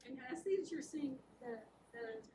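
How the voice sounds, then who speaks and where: At a library event, an older woman who writes children's books talks to the audience earnestly and encouragingly, slowing down to stress her words. Her voice is high-pitched with lively intonation, and the background is noisy.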